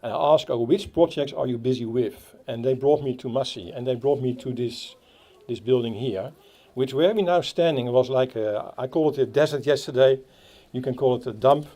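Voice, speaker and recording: A man with a Dutch accent giving a halting speech at a playground opening, with many fillers and restarts. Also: medium pitch, warm tone. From Netherlands. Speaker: Rotary club speaker. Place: outdoor playground.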